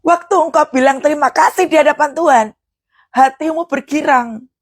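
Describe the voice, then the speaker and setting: A woman preacher, giving a charismatic sermon. She swings from loud, forceful preaching to hushed prayer. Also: high voice, quick pace, no echo.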